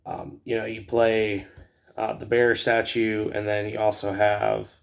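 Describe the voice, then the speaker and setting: A man with a scratchy, raspy voice giving a casual, rambling tutorial as a video host, hesitant and full of fillers. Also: on the low side, level tone, measured pace. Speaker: host of a card game video channel.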